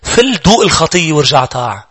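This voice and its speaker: A preacher voicing a coaxing devil. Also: male voice, fairly high pitch, big pitch swings, fast, a bit bright, slightly rough, heavily acted. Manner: wheedling, persuasive. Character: coaxing devil tempting a believer.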